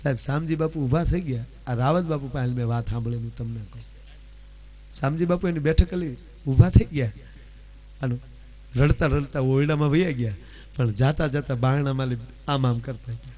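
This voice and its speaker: A man with a Kathiawadi Gujarati accent telling folk stories and jokes, swinging between loud declamation and quiet asides. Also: medium pitch, normal speed. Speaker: folk storyteller and comedian. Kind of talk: dayro folk storytelling with jokes.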